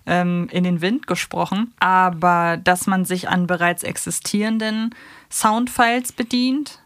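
A woman's voice: on the low side, fairly even intonation, a little slow, dry recording. Woman podcaster, dry close sound. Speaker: podcast co-host. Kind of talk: casual review chat, critical commentary.

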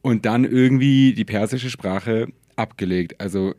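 A man in his twenties, a podcast guest from Germany, talking in a relaxed, hesitant way with many fillers and easy laughter. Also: lowish voice, measured pace, no echo, studio quality. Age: 20s. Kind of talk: casual conversation.

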